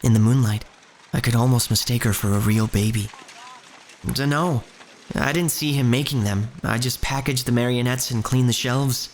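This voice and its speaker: An actor playing an earnest, uneasy young shop boy, narrating his own story in a measured, literary way. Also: mid-range voice, a little hiss or hum, lightly acted. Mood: quietly unsettled, then weary, plain. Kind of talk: first-person scripted narration in audio drama.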